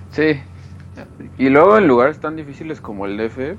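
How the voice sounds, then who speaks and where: Over noticeable background noise, a man with a fairly high voice speaks fairly slowly with lively intonation. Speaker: podcast co-host. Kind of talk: casual chat.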